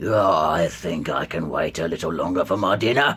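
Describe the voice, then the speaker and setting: A man's put-on character voice, raspy and very deep in pitch, at a moderate pace. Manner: menacing yet lazily amused.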